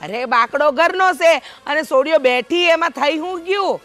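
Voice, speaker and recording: An actress with a Kathiyawadi accent playing a sharp-tongued village housewife who argues and complains in an exasperated way. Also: female voice, on the high side, moderate pace, soft background music, lightly acted. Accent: Kathiyawadi Gujarati. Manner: exasperated, nagging. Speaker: wife and sister-in-law. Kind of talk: village family drama acting.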